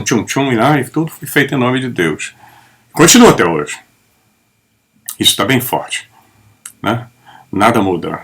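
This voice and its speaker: A man's voice: medium pitch, a bit bright. Older man musing aloud. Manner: opinionated, rambling storyteller. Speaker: channel host. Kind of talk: casual spoken monologue. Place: home in the Netherlands.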